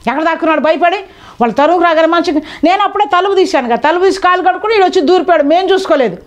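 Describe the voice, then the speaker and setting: A high-pitched middle-aged woman preaching a sermon with a Telugu accent. She swings from ringing calls to low, confiding tones. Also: very fast, lo-fi sound. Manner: acts out voices in her stories. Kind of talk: sermon with testimony.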